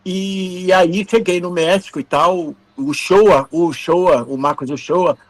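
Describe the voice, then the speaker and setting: A Brazilian man in his fifties, once a TV camera operator, tells anecdotes during an interview and acts out the dialogue. His voice sits high, his intonation stays fairly even, and he speaks slowly.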